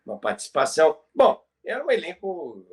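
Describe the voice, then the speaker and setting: A Brazilian presenter explains radio history in an informal lecture, teaching didactically and repeating phrases for emphasis. His slightly high voice swoops wildly in pitch and moves fairly quickly.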